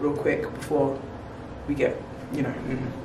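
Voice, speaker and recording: A woman keeps a moderate pace while noticeable background noise plays underneath. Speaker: vlogger. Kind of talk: casual vlog chat. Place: empty room.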